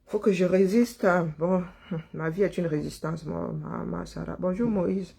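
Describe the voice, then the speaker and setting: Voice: medium pitch, fairly even intonation, measured pace, gravelly, warm tone, slightly rough. A livestream host, chatting casually and greeting viewers by name, rambling and chuckling and stumbling over words.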